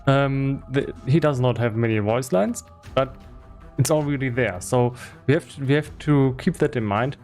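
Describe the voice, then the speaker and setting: A man talking casually and explaining on a livestream, thinking aloud in a halting way, with as his language. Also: medium pitch, darkish tone, soft background music. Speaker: game developer streaming live. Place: indoor room with foam acoustic padding.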